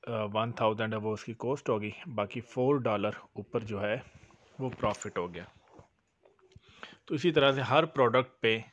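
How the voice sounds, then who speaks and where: A man's voice: mid-range voice, fairly bright tone, dry recording, muffled recording. A man filming as he walks through a grocery store, explaining prices, costs and profit step by step in a casual way. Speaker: vlogger touring a grocery store. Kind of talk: casual walk-through narration. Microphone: handheld phone camera.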